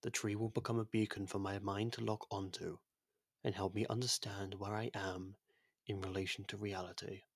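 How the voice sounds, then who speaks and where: Ancient world-ending entity for ASMR audio roleplay, male performer. Gravelly, even delivery, soft, formal and gently confiding. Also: fairly low pitch, normal speed, no room sound, clean studio sound. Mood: fond, gentle. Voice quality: husky, creaky, soft. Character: ancient genocidal otherworldly being, imprisoned, now courteous and fond.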